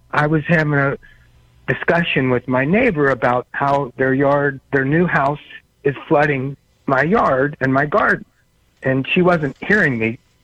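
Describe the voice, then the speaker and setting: This man speaks at a fairly slow pace and fairly high pitch, with ordinary pitch variation and a dry, close sound with no echo. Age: 60s. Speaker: caller. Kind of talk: call-in advice conversation.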